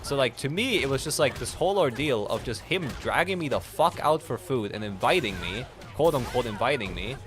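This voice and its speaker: A man's voice: medium pitch, animated, fairly quick, few pauses, a bit bright, faint music behind. A young man streaming a game, telling a story in a casual, rambling way with lots of swearing and "like" fillers. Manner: rambling, profane, heavy use of "like". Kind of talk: casual storytelling while playing.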